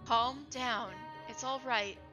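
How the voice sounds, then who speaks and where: A woman playing a calm, gentle young woman who speaks softly and soothingly. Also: on the high side, slow pace, soft background music. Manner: soft, soothing.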